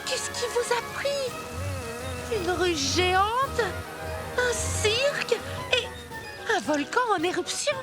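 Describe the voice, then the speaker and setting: Cartoon role: a chatty, fussy girl, easily flustered, exclamatory, extremely high-pitched. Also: big pitch swings, takes it slowly, pauses often, music in the background, heavily acted. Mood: shocked, reproachful. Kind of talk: French-dubbed children's cartoon acting.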